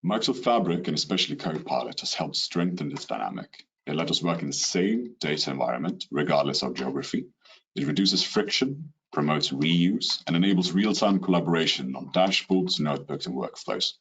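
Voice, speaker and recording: Deep husky Swedish-accented man. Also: brisk, low-quality recording. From Sweden. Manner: steady, rehearsed delivery with occasional "you know" fillers. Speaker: webinar presenter. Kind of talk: business presentation. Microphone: computer mic on a video call.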